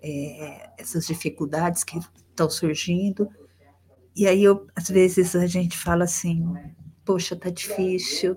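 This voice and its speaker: In a dark, mellow, somewhat breathy voice of fairly low pitch, a woman speaks very slowly with fairly even intonation. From interior of São Paulo state, Brazil. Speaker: spiritist Bible study guest. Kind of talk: religious discussion.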